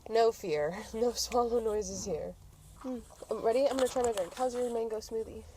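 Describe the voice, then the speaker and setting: Playful higher-voiced woman, noisy on-location recording. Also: moderate pace, warm tone. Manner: giggly, chatty, playful. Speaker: podcast host. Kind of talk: casual chat. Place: on the go, around parking lot and car. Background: clear ambient and vehicle noise.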